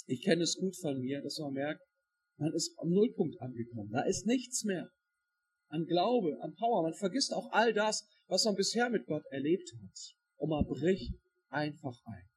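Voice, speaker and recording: A man preaching a sermon, expressive and dramatic, acting out quoted voices with shifting loudness. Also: a little high, normal speed, husky.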